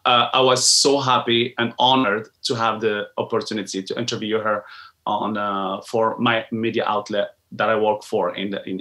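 A man's voice: mid-range voice, bright, forceful tone. A man in his forties, an entertainment reporter, answering interview questions hesitantly over a video call from home, with many restarts. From Morocco. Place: home room with a painting behind.

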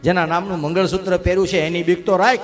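A man voicing a sharp-tongued, middle-aged village uncle, scolding in taunting questions. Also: high voice, fairly even intonation, fast, music in the background, close to an everyday voice.

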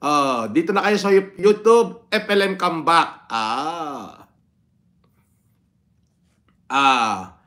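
A middle-aged man with a Filipino accent chatting casually on a livestream, greeting viewers in a drawn-out way with many pauses and interjections. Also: fairly high pitch, expressive, a bit bright. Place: indoor room with framed painting. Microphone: phone propped at arm's length.

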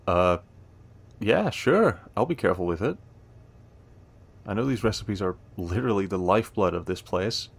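A man acting a friendly, playful, eager young cafe helper in a romance audio roleplay, teasing and warm in a conversational way. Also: fairly low pitch, expressive, normal speed, vocal fry, long pauses, husky, exaggerated voice. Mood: warm, earnest.

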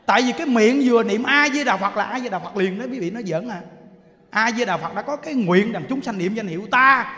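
Man, sermon, emphatic rhetorical questions, high voice, echoey hall. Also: lively intonation, a little fast. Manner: emphatic, rhetorical questions, soft chanted recitations. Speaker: Buddhist monk preacher. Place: temple hall.

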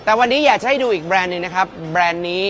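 A man in his forties hosting a live walkaround at an indoor exhibition, lively and joking, exclaiming as he goes. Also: high-pitched, rapid-fire, slight background noise. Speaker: tech show host touring an expo. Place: busy indoor exhibition hall. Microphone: handheld mic, filmed by a roaming camera.

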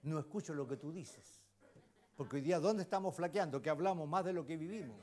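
A man with a Chilean accent preaching a sermon, often turning to the congregation with questions and swinging between loud exclamations and hushed asides. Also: fairly high pitch, brisk. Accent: Chilean Spanish. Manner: emphatic, keeps asking the congregation rhetorical questions. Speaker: lay preacher.

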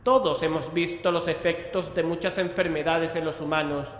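An actor playing an earnest, convinced investigator of occult horrors in an audio drama. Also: male voice, a little high, steady tone, moderate pace, natural voice. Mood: insistent. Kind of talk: audio drama dialogue and narration. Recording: echoey hall with long reverb.

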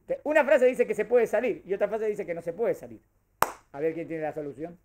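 A man's voice: high voice, a little fast, background noise. A man teaching a Torah class, asking the room questions and answering them himself. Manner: questioning and animated, answers his own questions.

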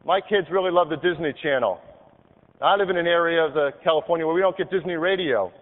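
A man giving an upbeat live software demo on a conference stage, clicking through features as he talks. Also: a little high, quick pace. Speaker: product demonstrator on stage. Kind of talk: live keynote product demo. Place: large convention hall stage. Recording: tinny, hall-reverb archive video of a keynote.

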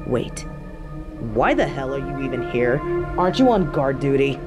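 A woman's voice: rumbling low, very animated, moderate pace, over loud music. A woman playing a volatile, sarcastic female mafia boss. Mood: annoyed, threatening. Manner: dry, threatening, sarcastic, dramatic sighs. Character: hot-tempered, sarcastic female mafia boss with a soft side. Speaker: voice actor in audio roleplay. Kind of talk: scripted audio roleplay acting.

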